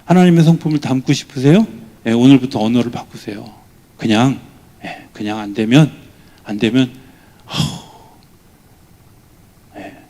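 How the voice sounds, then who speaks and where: A male pastor giving a lively weekday sermon, acting out the voices he quotes with sudden rises in pitch and volume. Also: normal speed. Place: church.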